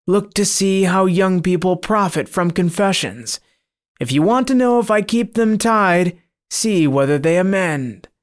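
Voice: mid-range voice, lively intonation, measured pace, voice pushed up, close to an everyday voice. A reader voicing a sly devil in the shape of a big cat, who gives whining, reluctant answers under threat.

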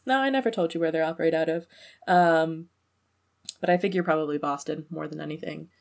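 A woman's voice: low voice, brisk, vocal fry, darkish tone. A woman player chatting casually at a tabletop game, rambling a little and laughing often.

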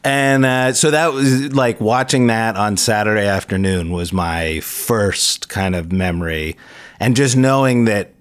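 A podcast guest from Calgary chatting casually, thinking aloud with many restarts. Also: male voice, lowish voice, unhurried. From Calgary, Alberta, Canada. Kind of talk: casual chat.

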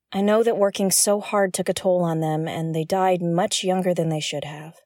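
An actress playing a feisty, irreverent woman who broadcasts from her own ship, expressive and candid in an audio drama. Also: lowish voice, dry recording, studio quality, lightly acted. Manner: expressive, candid, prone to gleeful giggling. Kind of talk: audio drama acting, conversational.

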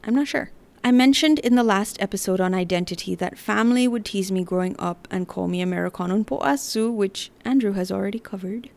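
A woman in her thirties from the Northern Mariana Islands with a light Chamorro accent, hosting a podcast and reading personal narration in a measured, articulate, reflective way. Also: mid-range voice, vocal fry. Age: 30s. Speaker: podcast host.

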